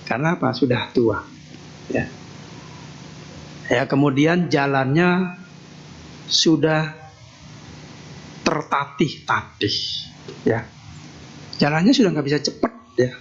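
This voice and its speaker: Speaking slowly and pausing often, this monk delivers a folksy, humorous Buddhist sermon in a temple hall, tacking a questioning "ya" onto almost every phrase. His voice is on the high side, and the lo-fi recording is dull with faint noise.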